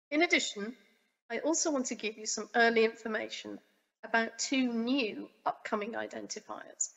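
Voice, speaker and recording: A woman from the UK with a croaky voice from a cold, giving a formal pre-recorded conference presentation. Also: fairly high pitch, fairly bright tone, long reverb tail, dull audio. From United Kingdom. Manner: formal and measured. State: croaky, getting over a cold. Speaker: guest speaker. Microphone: webcam video recording.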